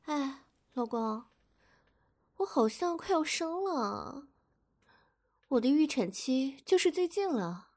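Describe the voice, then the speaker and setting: Bossy, wailing young wife for audio drama, voiced by a woman; high, soaring pitch. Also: very animated, takes it slowly, pauses often, darkish tone, a little hiss or hum, exaggerated voice. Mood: coaxing. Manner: domineering, wailing melodrama. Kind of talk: amateur audio drama acting.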